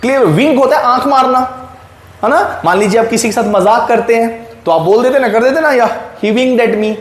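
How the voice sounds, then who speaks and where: Guy teaching english sounds, high voice, keeps asking right?, echoey room. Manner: slow, drawn-out word examples with frequent checks like "right?". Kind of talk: explaining pronunciation rules in a video lesson. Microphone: writing on a board while talking.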